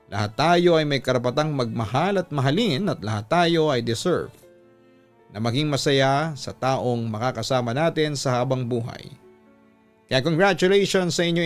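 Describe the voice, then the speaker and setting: A man hosting a story programme, narrating a listener's letter in a dramatic storytelling style. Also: medium pitch. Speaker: host of a story-reading radio programme. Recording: music bed under the voice. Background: music.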